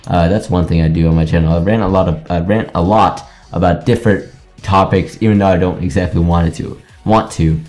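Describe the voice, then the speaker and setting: A young man from Greece with an American accent talks loosely over a game, restarting sentences and piling up fillers. His voice sits low and mellow, with a faint bed of music underneath. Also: fairly even intonation, fairly quick. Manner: rambling, many restarts and fillers. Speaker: gaming YouTuber. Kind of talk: casual commentary over gameplay.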